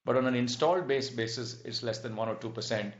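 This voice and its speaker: A male executive speaks in an echoey, slightly dull conference-call recording. His mid-pitched voice explains business matters in a measured way, often halting as he searches for the next phrase. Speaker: telecom company executive. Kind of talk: earnings call answers.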